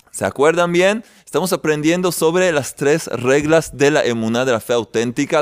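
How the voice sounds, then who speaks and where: A man's voice: mid-range voice, smooth, no echo. A man hosting an online faith workshop, teaching in a playful, joking way and greeting his viewers. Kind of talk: jokey faith lesson to an online audience.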